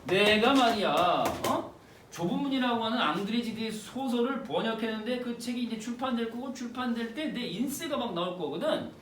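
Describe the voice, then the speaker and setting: A poor drunk husband who brags loudly and keeps prodding with "eh?", as a male teacher puts him on. His voice sits high with lively swings, and it sounds roomy and picked up from a distance with a faint hiss. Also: moderate pace. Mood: boastful. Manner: boastful, punctuating with "eh?".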